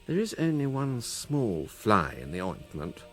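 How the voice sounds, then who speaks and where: A man playing a smug, scheming jewel thief and smooth lover with a British accent in a comic radio play. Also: mid-range voice, sing-song, a little slow, a bit bright, faint music behind. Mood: confident, scheming.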